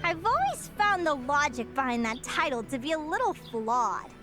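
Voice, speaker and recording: A high, curious young bird fae. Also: female voice, sing-song, moderate pace, sharp tone, soft background music, full character voice. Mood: eager. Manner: articulate, eager and wistful. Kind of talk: video game voice acting.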